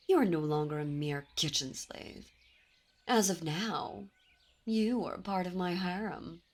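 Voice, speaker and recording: A woman voicing a dominant, possessive demon princess in an ASMR roleplay, speaking in a silky, commanding way with soft whispers. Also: on the low side. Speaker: voice actor. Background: birdsong and ambient sound effects.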